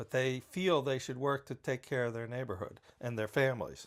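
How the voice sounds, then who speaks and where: A man's unremarkable speaking voice at medium pitch, with an American accent and hardly any pauses. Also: very clean recording, silent background. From Pittsburgh, Pennsylvania (Carrick). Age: 60s. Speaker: neighborhood resident, former community council member. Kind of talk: talk show interview.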